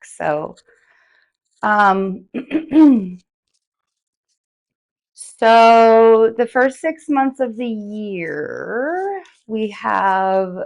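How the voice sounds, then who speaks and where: A woman with a hoarse voice talks through a tarot forecast in a casual, rambling way. She speaks slowly, with a slightly low pitch. She fills her sentences with plenty of ums and likes. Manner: chatty, rambling with many fillers. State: hoarse from recovering laryngitis. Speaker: tarot reader.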